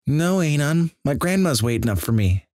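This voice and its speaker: A man's voice: a little high, very animated, normal speed, a little mellow, no echo, clean studio sound, pitched above the performer's own voice. A man voicing a shy, socially awkward young woman who speaks timidly.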